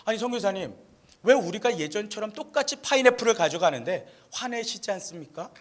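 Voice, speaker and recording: A man's voice: sits high, animated, brisk. A man voicing an earnest native villager who questions the missionary and reacts in surprise. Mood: puzzled.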